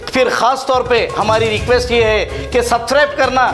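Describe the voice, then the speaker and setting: A man's voice: very high-pitched, steady tone, normal speed, a bit bright. A man announcing a scripted outro for a news channel. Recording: echoey voice over faint music. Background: music.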